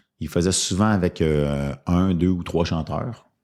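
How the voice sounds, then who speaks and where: With a Quebec accent, a man speaks at a very deep, low pitch in a dark, mellow tone. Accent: Québécois French. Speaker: restaurant owner. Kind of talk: interview. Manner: casual, with many fillers.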